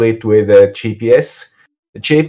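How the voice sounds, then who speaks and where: His voice carries a dark, mellow tone, and his pitch moves with ordinary variation. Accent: Swiss. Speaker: microcontroller and sensor tech YouTuber. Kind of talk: live stream interview answer. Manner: hesitant, many fillers and repetitions.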